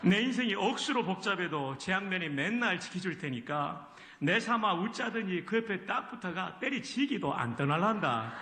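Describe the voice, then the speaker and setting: A man's voice: high-pitched, very animated, moderate pace, bright, forceful tone. A man from Chungcheong, a pastor, introducing a playful reading of a psalm in regional dialects. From Chungcheong, South Korea. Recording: roomy echoing hall recording played back.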